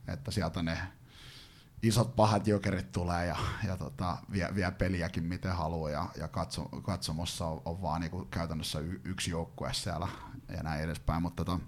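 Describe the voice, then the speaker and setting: A man on a fan panel, chatting casually and haltingly, full of fillers. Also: deep voice, flat delivery. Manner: hesitant, many fillers and restarts. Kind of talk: casual chat.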